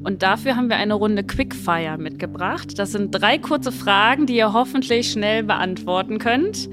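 A woman's voice: mid-range voice, lively intonation, normal speed, over music. A woman hosting a trade fair podcast, asking her guests questions in an upbeat, prompting way. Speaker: podcast host.

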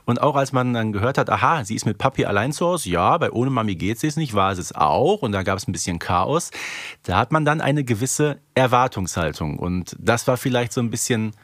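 A man's voice: medium pitch, animated, a little fast, fairly bright tone, no room sound, studio quality. A man co-hosting a podcast, talking in a casual fan discussion style. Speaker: podcast co-host.

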